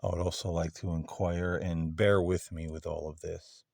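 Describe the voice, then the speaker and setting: A man speaking politely and tentatively in halting phrases, as if putting careful questions in a paranormal session. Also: low-pitched, little pitch movement, vocal fry, a little mellow, dry recording, studio quality. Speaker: paranormal channel host.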